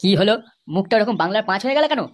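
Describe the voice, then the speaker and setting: A performer voicing a flirtatious, boastful village lover in a comedy cartoon, theatrical and husky, with a West Bengal accent. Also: medium pitch, lively intonation, very fast, background noise, lightly acted. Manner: theatrical sweet-talking. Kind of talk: amateur comedy cartoon dialogue.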